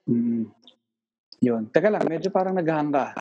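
A man's voice: a little high, lively intonation, moderate pace, dark tone, muffled recording. A man hosting a casual interview over a video call, joking and teasing his guest in an easygoing way. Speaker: podcast host.

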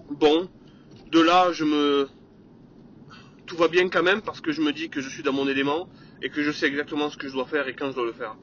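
Upbeat chatty man, slightly high voice. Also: lo-fi sound, slight background noise. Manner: energetic, chatty, many fillers, sprinkles English sales jargon. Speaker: podcast host. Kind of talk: casual solo podcast monologue.

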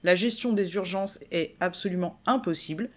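A woman's voice: on the low side, normal speed. A woman hosting a solo podcast, explaining work methods in a chatty, informal way and talking straight to the listener. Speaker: podcast host, business coach.

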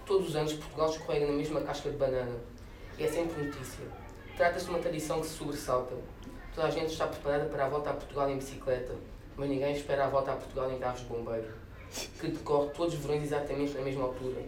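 A man reading a humorous prose excerpt aloud with a brisk, wry delivery. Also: fairly high pitch, fairly even intonation. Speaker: reader at a reading event. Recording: echoey room, distant mic, noisy.

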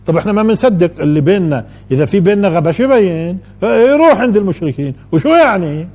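Male religious teacher, high voice, husky, keeps quizzing listeners. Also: expressive, fast talker, darkish tone. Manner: keeps asking the audience rhetorical questions. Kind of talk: colloquial Quran lesson.

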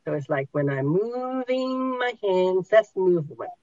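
Slow, unhurried woman. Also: mid-range voice, sing-song, warm tone, dry recording, lo-fi sound. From Hong Kong. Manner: slow, searching, with many pauses and restarts. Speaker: podcast host and spiritual teacher. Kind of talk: explaining to a small group.

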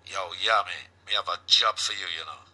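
A man voicing a menacing Jamaican prison dealer, speaking in a low, laid-back patois. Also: fairly even intonation, moderate pace, pushed and bright, poor audio. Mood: scheming.

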